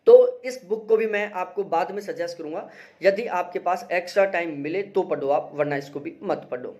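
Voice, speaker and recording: This young exam-prep teacher's voice sits high and is a little mellow. In a casual review explaining study books, he stresses his points, says his advice more than once, and keeps asking "theek hai" to check in with his audience.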